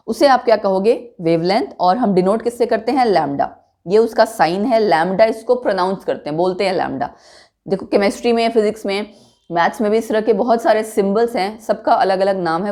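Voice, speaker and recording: Woman chemistry teacher, patient, mellow voice. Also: medium pitch. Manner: explains step by step, often checks with "ठीक है?". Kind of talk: classroom lecture mixing Hindi and English.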